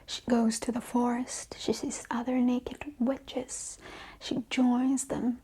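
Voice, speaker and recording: A woman speaking softly in a breathy, often whispered ASMR voice, chatting in a sassy, exasperated, conversational way. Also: a little high, flat delivery, slow pace, poor audio. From Russia. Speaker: host of an ASMR film review show. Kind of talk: softly spoken ASMR rant and chit-chat.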